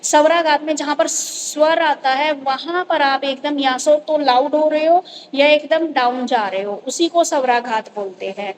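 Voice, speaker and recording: A high-pitched woman teaches a grammar lesson, explaining each point patiently and stopping often to check that her students follow. A faint hiss of noise sits under her voice. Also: measured pace, few pauses, rough recording.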